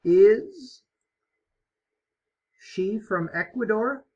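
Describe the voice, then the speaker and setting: A man teaching an online English lesson, explaining step by step in a slow, encouraging way. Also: high-pitched, husky, lo-fi sound. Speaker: ESL teacher.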